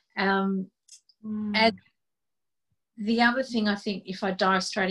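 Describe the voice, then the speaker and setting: This woman has an Australian accent. She keeps her intonation fairly even. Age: 40s. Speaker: artist and tarot reader, business mentor. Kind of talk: casual interview chat. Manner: hesitant with fillers.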